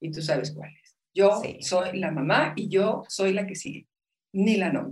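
At a fairly slow pace, a woman talks in a somewhat breathy voice. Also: medium pitch for a woman, ordinary pitch variation. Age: 60s. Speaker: radio and TV presenter. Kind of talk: personal testimony.

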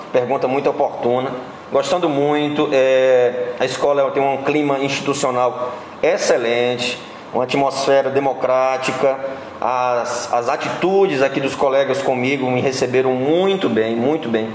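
With very even loudness and fairly even intonation, a man talks fairly slowly at a medium pitch amid noticeable background noise and audible room echo. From Piauí, Brazil. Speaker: teacher. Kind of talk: interview.

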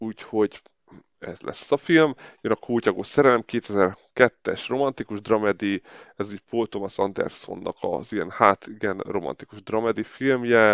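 A man with a normal speaking voice, medium in pitch, talks at a fairly slow pace with ordinary pitch variation and big swings in loudness. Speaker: film podcast host. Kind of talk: solo podcast commentary.

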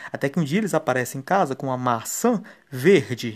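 Heard on a very clean recording with a silent background, the voice is somewhat breathy and swings very widely in pitch. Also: man. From Ceará, Brazil. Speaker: podcaster, language learning commentator. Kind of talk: casual monologue. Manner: talkative.

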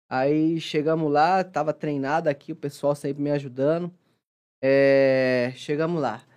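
A man with a São Paulo accent at a fairly high pitch, fairly slow pace and fairly even intonation, against a quiet background. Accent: São Paulo Portuguese (paulistano). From São Paulo, Brazil (Jaçanã, north zone). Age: 20s. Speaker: personal trainer. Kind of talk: casual interview. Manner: casual slangy speech.

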